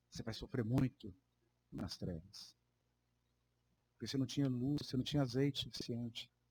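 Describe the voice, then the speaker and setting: A man speaks in a somewhat breathy voice at medium pitch. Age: 60s. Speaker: preacher. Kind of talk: sermon.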